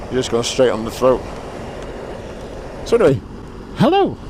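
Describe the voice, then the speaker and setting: Casting note: croaky-voiced man vlogging from a motorbike, rambling and joking at himself, wind noise. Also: mid-range voice, wildly swooping pitch, normal speed. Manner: self-deprecating, chatty, laughs often. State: hoarse from a cold. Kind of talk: rambling casual vlog. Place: outdoors on a motorbike.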